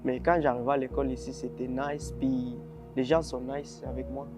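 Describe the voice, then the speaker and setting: A man's voice: mid-range voice, level tone, moderate pace, over music. A fourteen-year-old boy from Congo talking casually and shyly in a documentary testimony. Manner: casual, slangy, shy. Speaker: interviewee.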